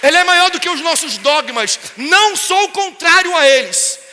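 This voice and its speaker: A man's voice: extremely high pitch, expressive, moderate pace, pushed and bright, long reverb tail, some chatter behind, a little hiss or hum. A man with a Brazilian Portuguese accent, a pastor telling a story and preaching a sermon that builds to impassioned peaks. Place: large church hall.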